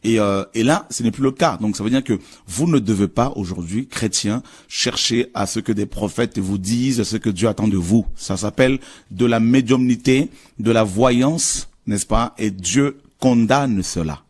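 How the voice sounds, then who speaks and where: Male pastor, earnest sermon delivery, slightly low voice, halting with fillers. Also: darkish tone, breathy edge.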